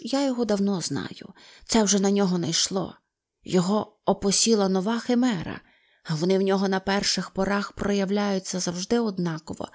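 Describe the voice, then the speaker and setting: A woman's voice: medium pitch, a little mellow, natural voice. A woman voicing a practical male water rat who speaks in a firm, decisive way in a storybook reading.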